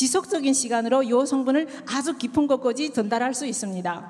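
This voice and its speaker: At a moderate pace, a woman talks in a high voice. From China. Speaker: network marketing presenter; presenter. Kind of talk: product presentation. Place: hall. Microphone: handheld.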